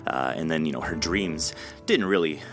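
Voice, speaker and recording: An American man hosting a casual interview, speaking in an effusive, informal and halting way. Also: rumbling low, fairly bright tone, faint music behind. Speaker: podcast host.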